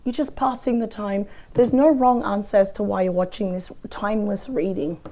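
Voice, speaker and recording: A woman with a weak, croaky voice from a cold, chatting through a weekly tarot reading. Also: mid-range voice, steady tone, moderate pace, warm tone, a little hiss or hum. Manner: chatty, thinks aloud over the cards. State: hoarse from a cold. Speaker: tarot reader. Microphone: close microphone.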